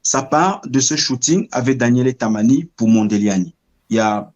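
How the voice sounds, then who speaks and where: A middle-aged man from Cameroon speaks as an interview guest, at an ordinary male pitch. He tells his story slowly and reflectively, weighing his words and often pausing to find the right one. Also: expressive, a little mellow, muffled recording. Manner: measured, searching for words.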